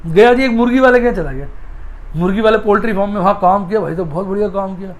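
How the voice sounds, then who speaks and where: A man's voice: high voice, very fast. A middle-aged man, giving a casual stock market lesson and telling homely stories straight to his viewers. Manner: homely, repeats phrases, talks straight to viewers. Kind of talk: casual teaching talk with storytelling.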